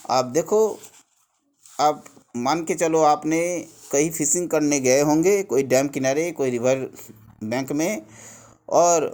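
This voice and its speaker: Slow-paced teacher explaining a workbook. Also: male voice, on the high side, a little mellow. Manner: mixes Hindi and English, explains step by step.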